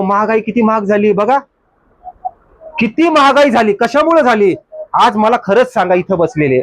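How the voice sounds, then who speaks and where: A man preaching as a pastor in a church, exhorting his congregation with rhetorical questions and mock excuses. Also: high-pitched. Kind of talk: sermon.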